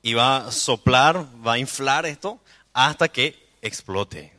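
A man's voice: mid-range voice, takes it slowly, bright, forceful tone, no room sound, clean studio sound. A man working as an on-stage interpreter, delivering short translated phrases at a live event. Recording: live event with music behind.

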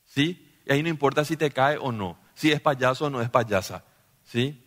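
Bright-voiced preacher. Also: male voice, mid-range voice, moderate pace. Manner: animated preaching, often asks listeners "¿sí?". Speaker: pastor. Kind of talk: sermon. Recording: long hall reverb.

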